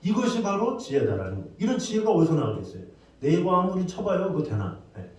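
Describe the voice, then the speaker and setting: Animated pastor in an echoing church. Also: male voice, high voice, fast. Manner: acts out story voices, asks the congregation questions. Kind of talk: children's sermon. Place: church sanctuary. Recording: very echoey hall, distant mic.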